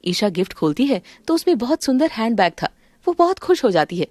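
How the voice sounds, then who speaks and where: An expressive, high-voiced woman narrates a Hindi family drama at a fairly quick pace, slipping between calm storytelling and the quarrelsome voices of several women she plays. A little hiss or hum can be heard.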